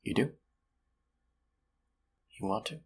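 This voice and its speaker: A man playing a sweet, smitten stranger in an intimate romantic audio roleplay, speaking softly and hesitantly in a husky, gravelly voice. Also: lightly acted. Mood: tender, hesitant. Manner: soft, hesitant, tender, with pauses.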